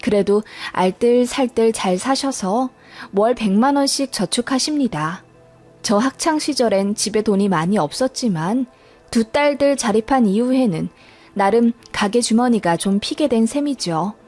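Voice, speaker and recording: A woman's voice: a little high, animated, moderate pace, darkish tone, soft background music. A woman narrator reading a scripted first-person life story. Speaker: narrator of listener life stories.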